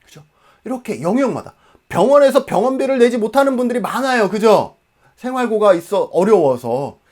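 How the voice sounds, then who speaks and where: A man's voice: sits high, lively intonation, a little fast, a little mellow. A man in his forties from Jeju Island, South Korea, giving an exam-prep lecture emphatically, asking questions and answering them himself.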